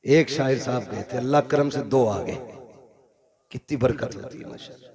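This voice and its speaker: A man's voice: mid-range voice, normal speed, gravelly. A male preacher giving a sermon on stage into a microphone, telling stories and coaxing the crowd to call back. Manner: storytelling that keeps urging the crowd to call out. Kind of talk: sermon at a live religious gathering. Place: stage at a large gathering with a PA system.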